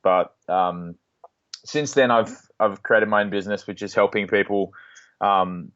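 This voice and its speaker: An Australian man talks as a podcast guest, relaxed and full of ums and restarts. His voice sits fairly low. It comes through a dull, lo-fi line that cuts off the top end. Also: unhurried. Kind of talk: casual interview talk.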